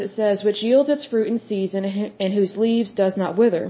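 This woman has a normal speaking voice, pitched at medium height, with fairly even intonation. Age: 30s. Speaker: podcast host, Bible teacher. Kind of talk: devotional Bible teaching monologue.

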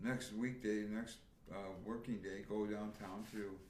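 There is audible room echo around a man's fairly low voice. He speaks at a fairly slow pace with fairly even intonation. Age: 50s. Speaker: podcast guest. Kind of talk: casual chat. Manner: halting.

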